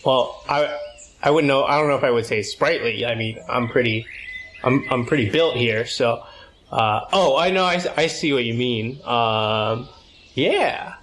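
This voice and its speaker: A man playing a tabletop game, haltingly thinking aloud as he improvises casually about his character. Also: mid-range voice, a bit bright, a little hiss or hum.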